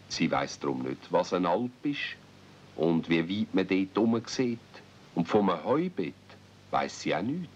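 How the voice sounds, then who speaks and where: A man with a Swiss German accent narrating a children's radio play as a storyteller. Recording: dull 1970s recording with rumble.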